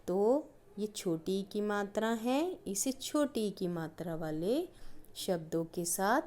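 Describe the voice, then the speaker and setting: A woman teacher giving a patient grammar lesson to young schoolchildren, stretching out each example word slowly and calling them children. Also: mid-range voice, a little mellow. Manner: slow, drawn-out stressing of each example word; patient, addresses pupils as "children".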